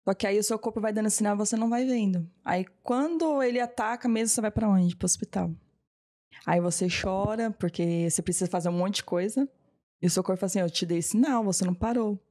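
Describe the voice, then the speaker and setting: A woman's voice: medium pitch, fast, mellow. A woman in her thirties, a massage therapist, telling her story in a casual interview and acting out what people said to her. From Brazil. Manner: storytelling, often acting out what she and others said.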